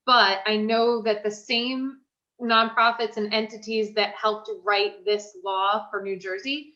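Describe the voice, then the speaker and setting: A woman's voice: medium pitch, little pitch movement, measured pace, sharp tone, muffled recording. A woman hosting an online discussion, chatty and informal as she hands over the floor. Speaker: host.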